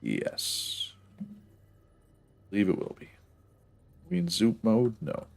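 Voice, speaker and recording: Gravelly low-voiced man, stuffed up. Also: wildly swooping pitch, slow pace, a little hiss or hum. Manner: thinking aloud, chuckling, self-correcting. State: stuffed up nose. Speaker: streamer playing a factory-building game. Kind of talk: casual gameplay commentary.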